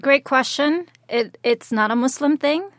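A woman born in Lebanon and raised in Saudi Arabia and Jordan, speaking as a panel guest in an animated, emphatic way. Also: high-pitched, unhurried, no echo, clean studio sound. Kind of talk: panel discussion.

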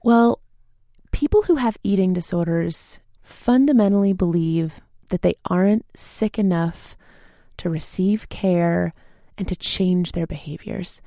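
Mellow-voiced woman physician guest. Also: lowish voice, measured pace, no echo, studio quality. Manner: articulate, explanatory. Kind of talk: studio interview.

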